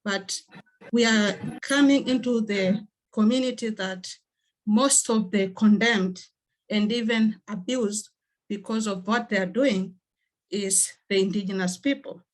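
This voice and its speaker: A woman's voice: mid-range voice, measured pace, poor audio. Earnest Tanzanian woman at a meeting. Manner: earnest, with fillers and restarts. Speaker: NGO worker. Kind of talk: online meeting remarks.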